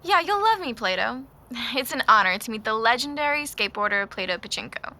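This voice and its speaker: A woman's voice: on the high side, animated, a little fast, bright, forceful tone. An actress playing a spunky, teasing gamer in her twenties in an audio drama, with a breezy delivery. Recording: music clearly behind the voice.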